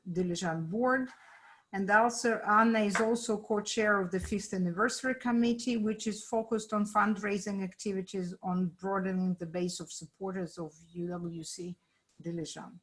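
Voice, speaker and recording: A woman presenting at a school gathering, giving a formal welcome with many halting restarts and fillers. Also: mid-range voice, fairly even intonation, rough recording. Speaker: event presenter.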